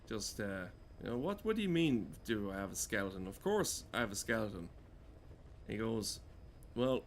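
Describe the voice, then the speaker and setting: Deadpan rambling man with background noise. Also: mid-range voice. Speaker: gameplay streamer. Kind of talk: rambling comedic game commentary.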